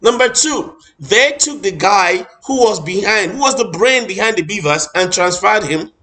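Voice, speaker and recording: Middle-aged Nigerian man, political commentator, high voice, emphatic and repetitive. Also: expressive, moderate pace, pushed and bright. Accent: Nigerian English. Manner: emphatic, repetitive, stumbles and restarts often.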